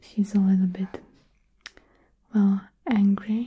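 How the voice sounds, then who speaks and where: Soft-spoken and somewhat breathy, a woman talks in a dark, mellow tone with monotone, flat intonation. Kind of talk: soft-spoken roleplay chat. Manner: soft-spoken, apologetic, close-mic. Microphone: studio mic.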